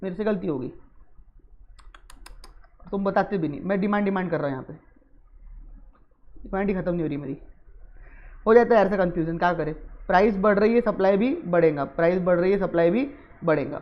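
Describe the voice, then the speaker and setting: A male economics teacher talks his students through a recorded lecture, conversational and keen to check that each point is understood. His voice sits fairly high for a man. The recording sounds a little muffled. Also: quick pace, pauses often.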